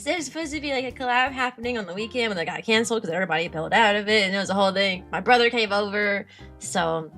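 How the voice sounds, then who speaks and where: A young woman chats casually on a live stream, reading and answering her viewers' messages. Her voice is high-pitched and very bright, and she giggles often. Faint music plays softly behind her. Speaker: VTuber streamer.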